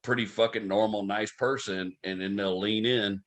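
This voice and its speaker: A man's voice: lowish voice, moderate pace. A man from Louisiana with a Southern accent, a comedian guest trading profane, joking stories in casual podcast banter. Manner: animated storyteller, profane, joking.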